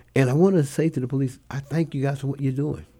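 A man speaks very fast in a dark, mellow tone with some breathiness. The recording is very clean, with a silent background. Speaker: pastor and city councilman. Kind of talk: radio interview.

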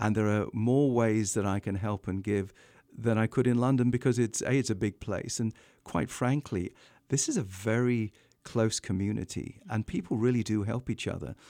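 There is a dark, mellow tone to this man's voice, and he has an English accent on a very clean recording with a silent background. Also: medium pitch for a man, ordinary pitch variation, moderate pace. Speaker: marketing consultant. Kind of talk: interview. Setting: radio studio.

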